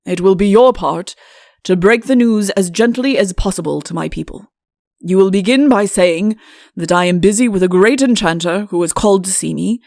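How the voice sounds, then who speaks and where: A woman's voice: mid-range voice, no room sound, clean studio sound. A woman voicing a pompous, stern, irritable middle-aged king in a comic fairy-tale audiobook, with an imperious, curt manner.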